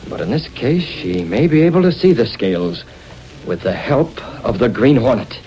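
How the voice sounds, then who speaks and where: A man's voice: mid-range voice, big pitch swings, normal speed, dark tone, lo-fi sound, lightly acted. An actor playing a determined young male hero who explains things earnestly, on a crackly 1930s radio recording. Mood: resolute. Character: Britt Reed, determined young male publisher and masked hero.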